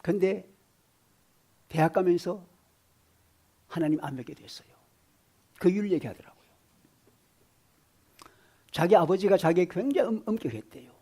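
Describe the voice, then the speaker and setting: A pastor preaching a sermon in a church, telling stories and swinging between hushed asides and loud emphasis. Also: male voice, high-pitched, lively intonation, moderate pace, long pauses, slightly rough. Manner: storytelling, shifting from hushed to loud. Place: church sanctuary.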